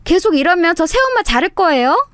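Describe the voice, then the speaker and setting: A woman voicing a bold, scheming sister-in-law who scolds in a loud, theatrical way. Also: high-pitched, big pitch swings, fairly quick, dry recording, studio quality. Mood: scolding.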